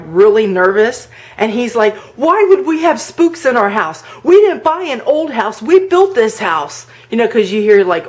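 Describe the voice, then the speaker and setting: Chatty middle-aged woman telling a story. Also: on the low side. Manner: chatty, laughs often, acts out quoted voices. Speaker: vlogger. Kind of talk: casual storytelling.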